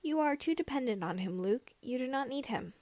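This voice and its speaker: Stern, aloof military pilot female reader: formal, curt, highish pitch, dry audiobook recording. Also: animated, fairly quick, a little mellow, dry recording. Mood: cold, stern.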